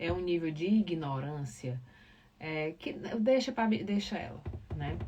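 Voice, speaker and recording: A woman speaks at a fairly slow pace in a very deep, low, somewhat breathy voice with lively intonation. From Ceará, Brazilian Northeast. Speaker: radio broadcaster and communication coach. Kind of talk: live stream talk. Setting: live stream.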